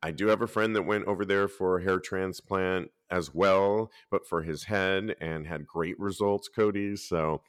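Deep-voiced man hosting a chatty podcast. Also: unhurried, hardly any pauses, clean tone, dry recording, clean studio sound. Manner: lively, reads out articles and listener posts. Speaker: podcast host. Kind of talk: casual podcast chat.

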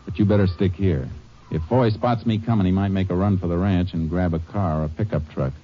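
Casting: man as tough American lawman of the range, deep voice, terse and determined, on dull vintage radio sound. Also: a little fast, close to an everyday voice. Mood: businesslike. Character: tough, dogged adult male Texas Ranger on horseback. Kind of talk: old-time radio western acting, with first-person narration. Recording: dull 1950s radio recording with music.

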